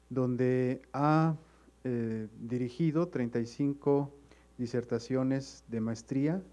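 A man's voice: medium pitch, mellow. A man moderating a university seminar, reading a guest's résumé aloud in an auditorium with fillers and small hesitations. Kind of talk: reading a speaker introduction. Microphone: handheld mic, standing at front.

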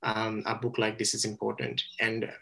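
A man's voice: on the low side, completely flat delivery, moderate pace, creaky, bright, forceful tone, poor audio. A man in his thirties from Fiji, reading his children's book aloud and then talking about it with many hesitations, on a laptop webcam call from a small room at home. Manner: hesitant, many ums while speaking freely. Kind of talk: reading aloud and casual talk. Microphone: laptop webcam video call.

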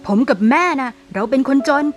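A woman's voice: high voice, fairly quick, faint music behind, natural voice. A woman voicing a kind, earnest young son of a poor mother in a cartoon story. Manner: polite, earnest.

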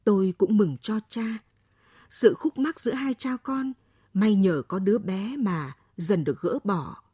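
A woman reading a short story aloud in a soft, measured way. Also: medium pitch, animated, husky, no room sound, studio quality. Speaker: story narrator. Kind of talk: scripted narration of an emotional short story.

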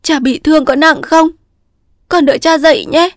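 A woman voicing a small young girl crying out desperately to her father, high and sobbing. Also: steady tone, moderate pace, dry recording, clean studio sound. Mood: tender. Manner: high cries.

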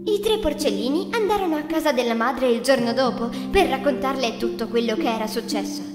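A woman's voice: sits high, a little fast. A woman narrating a scripted children's fairy tale as storyteller, with music behind her.

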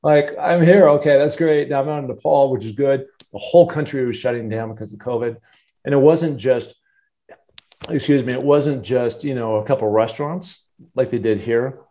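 A man in his fifties, a guest on a video-call interview, telling a long story in an animated, rambling way with many restarts. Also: mid-range voice, normal speed. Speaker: interview guest, former football player. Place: home office with wood cabinet. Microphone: earbud headset on video call.

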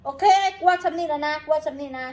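A woman's voice: high-pitched, fairly even intonation, quick pace. A woman with an Isan accent, talking straight to her viewers in an angry, combative rant full of curses. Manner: coarse, combative, cursing. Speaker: vlogger.

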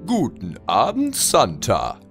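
A man's voice: mid-range voice, wildly swooping pitch, slow, gravelly, full character voice. A man playing a kindly, trusting old Santa impersonator in an audio horror drama, jovial and polite. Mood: jovial, friendly. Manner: jovial, polite, gently patronizing. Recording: music behind the voice.

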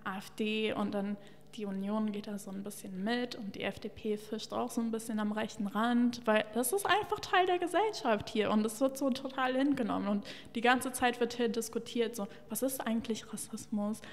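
A woman's voice: on the high side, moderate pace. Candid young woman in an echoing room. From Luxembourg. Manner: candid, opinionated, lively with many fillers. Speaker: podcast guest, journalist. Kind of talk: casual interview talk. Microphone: studio mic on a stand. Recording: long reverb of a bare room.

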